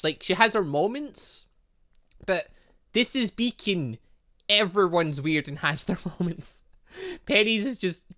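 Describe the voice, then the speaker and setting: A man's voice: high voice, bright, forceful tone. A man commentating a game he is playing, rambling and cutting himself off with chuckling asides. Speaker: gaming streamer. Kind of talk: let's-play commentary.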